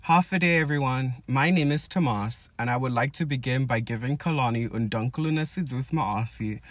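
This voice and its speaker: A graduate student reads his prepared segment in an earnest, formal manner. His voice sits at a middle pitch and is recorded dry and close. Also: a little fast, no echo. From Pacific Islands. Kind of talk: scripted podcast segment.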